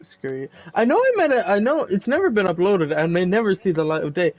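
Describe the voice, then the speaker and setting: High goofy man, muffled mic. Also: expressive, fast talker, a little mellow, no echo. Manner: playful, goofy, evasive. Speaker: podcast co-host. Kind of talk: casual podcast chat.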